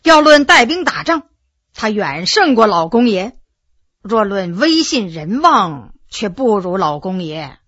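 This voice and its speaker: A woman voicing an elderly, stroke-stricken Qing official who speaks in a quiet, lowered voice and gives measured, frank advice. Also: big pitch swings, breathy edge, no room sound, highs cut off, heavily acted. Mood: earnest. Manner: measured, advising.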